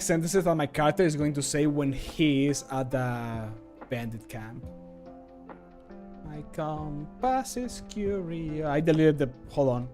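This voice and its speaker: A man's voice: fairly high pitch, darkish tone. A man in his thirties rambling casually as he streams, with loose, sweary chat. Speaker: streamer and mod maker. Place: small home room, indoors. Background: background music.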